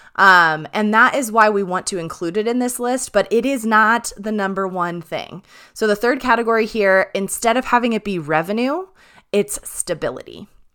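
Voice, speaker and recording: A woman's fairly high voice has a bright, sharp, animated tone and ordinary pitch variation. She keeps a moderate pace on a very clean recording with a silent background. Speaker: podcast host, HR professional. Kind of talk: solo podcast monologue.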